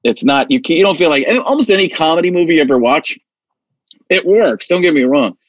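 A man hosting a podcast, telling stories in a rambling, animated way with many restarts. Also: on the high side, brisk, dry recording, muffled recording. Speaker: podcast host. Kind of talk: casual chat.

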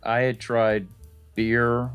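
A man's voice: medium pitch, flat delivery, very slow, smooth, faint music behind. A middle-aged man co-hosting a comedy podcast, teasing and joking in casual chat. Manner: teasing, joking, laughs often. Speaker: podcast co-host.

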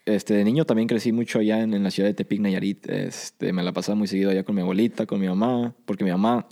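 A young man from Southern California, telling his story as a guest in a relaxed, rambling way with frequent fillers. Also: fairly low pitch, fast talker, vocal fry. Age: young adult. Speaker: guest entrepreneur. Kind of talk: casual interview storytelling.

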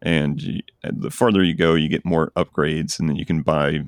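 A man's voice: rumbling low, steady tone, moderate pace, dry recording. A man hosting a podcast, chatting casually and enthusiastically about games he recommends. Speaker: podcast host. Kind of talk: casual chat.

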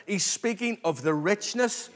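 High-voiced male preacher in a reverberant hall. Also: a little slow. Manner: earnest, excited, emphatic with repeated phrases and calls for response. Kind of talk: expository sermon to a congregation. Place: large reverberant room, live before a congregation.

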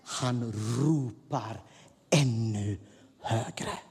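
A middle-aged man preaching a sermon as a pastor, moving between soft, low passages and loud, fervent peaks. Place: church hall. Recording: echoey hall, slightly husky.

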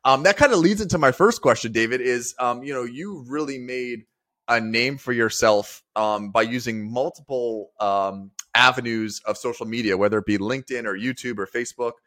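A man's voice: mid-range voice, moderate pace, a bit bright. A man co-hosting a business podcast, talking upbeat and casual with a few fillers. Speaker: podcast co-host.

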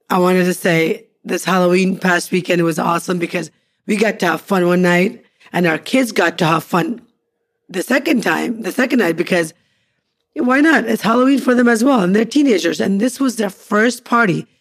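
A woman's voice: medium pitch, normal speed. A woman in her forties co-hosting a casual couple's podcast, earnest and upbeat, stacking her points in lists. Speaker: podcast co-host.

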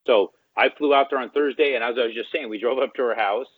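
A man's voice: mid-range voice, fast, slightly rough, no room sound. A man telling a story as an interview guest in a casual way, acting out the dialogue as he goes. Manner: animated, acts out quoted dialogue. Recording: tinny phone-line sound, dry.

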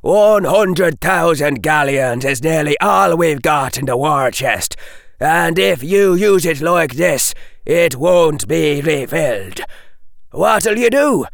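A man's voice: a little high, expressive, slow, creaky, no echo, clean studio sound, pitched above the performer's own voice, full character voice. A man voicing a harsh, blunt male fighter who growls his words. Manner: growling and forceful.

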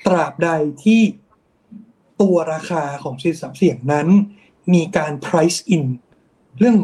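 Warm and somewhat high, the voice belongs to a male investment strategist giving explanatory commentary on bond markets. He mixes in English finance terms and frequently adds polite particles to his sentences.

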